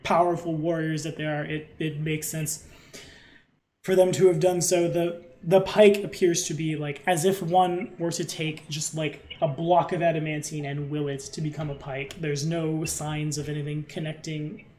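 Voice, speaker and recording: A man acting as game master, improvising descriptions in an informal, halting way. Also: fairly high pitch, flat delivery, darkish tone, slight background noise. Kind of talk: improvised tabletop game narration.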